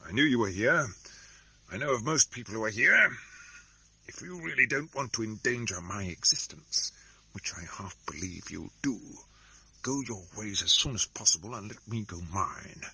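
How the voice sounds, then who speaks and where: A man reading aloud, voicing a furtive, vexed Englishman who speaks abruptly in a low, hushed tone. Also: sing-song, takes it slowly, slightly rough, heavily acted, low-quality recording. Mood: curt. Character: furtive, vexed Englishman, cold spy brother.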